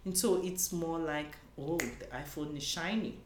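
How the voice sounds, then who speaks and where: A Nigerian woman who is a conference panelist speaks earnestly in a conversational interview, searching for words and often restarting her sentences. Her voice is low and her pace measured, in an echoey room with faint noise.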